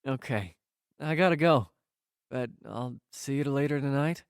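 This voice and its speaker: Mild boyfriend played by an actor, dry recording. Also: male voice, medium pitch, unhurried, clean tone, dry recording, lightly acted. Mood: playful, affectionate. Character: Marcus, mild affectionate boyfriend, slightly hesitant. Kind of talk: audio drama dialogue.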